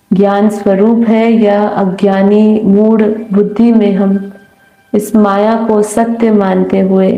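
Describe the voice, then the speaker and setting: A woman guiding a meditation in a soothing, unhurried manner with long pauses. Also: mid-range voice, creaky, dull audio. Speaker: meditation guide. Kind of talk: guided meditation, slow calm instruction. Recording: roomy echo. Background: faint music.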